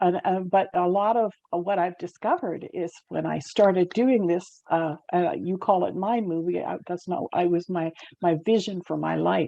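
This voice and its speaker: With hardly any pauses, a woman speaks at a moderate pace in a fairly low voice. Her intonation stays fairly even. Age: 60s. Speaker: workshop participant. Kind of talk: testimony. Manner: halting.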